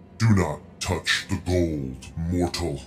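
Over clear background noise, a man puts on a booming character voice. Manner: commanding, ominous.

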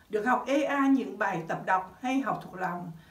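Audible room echo around a woman's voice. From northern Vietnam, raised in Saigon. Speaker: former medical student, interviewee. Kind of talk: personal testimony. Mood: calm, nostalgic, earnest. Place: studio.

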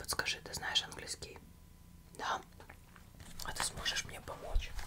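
A woman whispers in a soft-spoken way at a moderate pace. There is light background noise. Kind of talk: roleplay chat to viewer. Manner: soft close ASMR whisper, gossipy. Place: home room. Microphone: phone near.

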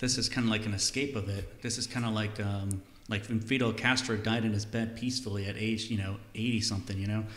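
With a fairly low pitch and monotone, flat intonation, a man talks at a moderate pace amid audible room echo. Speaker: podcast host or guest. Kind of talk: casual podcast discussion. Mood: light, laughing at times. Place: studio.

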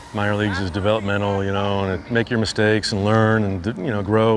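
Over noticeable background noise, a man with a fairly low pitch talks at a very fast pace with fairly even intonation, and the sound is dry with no echo. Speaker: guest baseball instructor. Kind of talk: coaching advice. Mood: earnest, encouraging. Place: stadium. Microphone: lapel.

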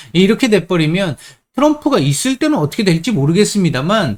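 Very cleanly recorded with a silent background, a man with a high voice speaks fairly quickly, his pitch swinging very widely. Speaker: stock market YouTuber. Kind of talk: market commentary monologue. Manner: frequent filler hesitations.

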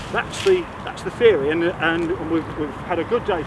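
Noticeable background noise sits behind a man talking at a moderate pace, the sound dry with no echo. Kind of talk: explanatory commentary while working. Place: waterside.

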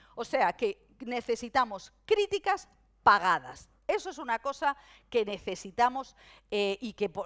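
In a quiet background, a woman with a fairly high pitch speaks in an animated tone at a fairly slow pace. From Madrid, Spain; Spain. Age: 50s. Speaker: film critic and journalist; journalist. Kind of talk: conference talk. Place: stage. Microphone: headset.

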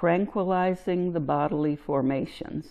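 A woman's fairly low voice at a very slow pace over a quiet background. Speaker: meditation teacher. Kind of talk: dharma talk. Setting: meditation retreat hall. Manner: hesitant with fillers. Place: hall.

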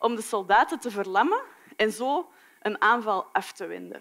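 A woman speaks at a fairly slow pace, her pitch swinging very widely. The background is quiet. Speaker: scientist lecturer. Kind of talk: lecture. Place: stage. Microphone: headset.

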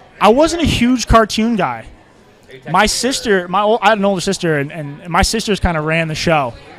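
A man at a high pitch with very wide pitch swings, a moderate pace and an American accent, dry sound with no echo, light background noise. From Washington state, US. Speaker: professional soccer player; podcast guest. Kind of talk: casual chat. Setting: pub. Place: home room. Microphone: handheld.

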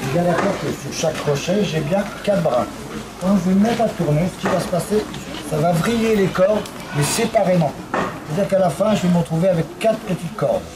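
A man with ordinary pitch variation talks at a fairly quick pace while noticeable background noise is heard. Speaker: costumed craft demonstrator. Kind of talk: live craft demonstration explanation. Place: open country. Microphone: camera far.

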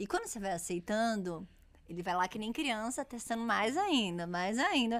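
A woman talks at a moderate speed, her fairly high voice full of lively intonation. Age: 30s. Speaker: podcast host. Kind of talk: casual chat. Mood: lively, humorous, frank. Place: studio. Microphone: studio mic.

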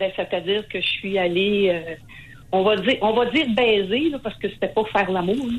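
A woman's medium-pitched, plain, everyday voice at a moderate pace. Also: ordinary pitch variation. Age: 60s. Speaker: caller. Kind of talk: testimony. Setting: phone call.

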